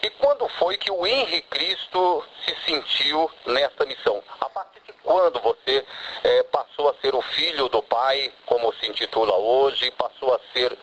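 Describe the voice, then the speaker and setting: A male radio host asking questions in a hesitant, halting way. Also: medium pitch, fairly bright tone. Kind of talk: radio interview. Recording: muffled radio with faint noise.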